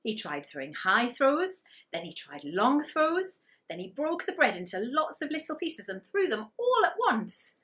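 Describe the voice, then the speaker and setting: A woman reading a children's story aloud with expressive narration and dramatic emphasis on key words. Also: a little high, unhurried, few pauses.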